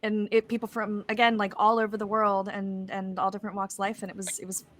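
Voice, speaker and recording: A woman chatting casually as a panelist, in a slightly halting, conversational way. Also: medium pitch, level tone, fairly bright tone. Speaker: panelist, audio drama creator.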